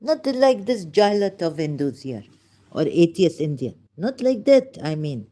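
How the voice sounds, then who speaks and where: A woman's voice: on the low side, very animated, unhurried, warm tone. A woman with a Pakistani accent giving rambling, sarcastic religious commentary in broken English. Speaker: vlogger.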